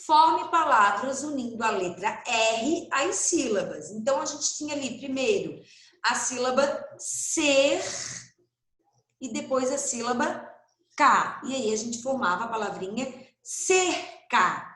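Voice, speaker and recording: Woman, Brazilian Portuguese accent, first-grade teacher, drawn-out patient delivery, roomy echo. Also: on the high side, lively intonation, a bit bright. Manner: slow, patient, stretches words for children. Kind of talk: recorded online class.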